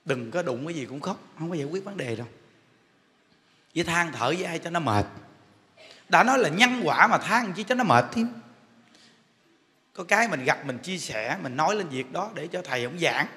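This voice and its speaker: High, bright-voiced joking monk. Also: male voice, expressive, normal speed, long pauses. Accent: Southern Vietnamese. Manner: joking storyteller, chatty and teasing. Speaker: monk giving a dharma talk. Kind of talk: humorous sermon. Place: temple hall. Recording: long hall reverb.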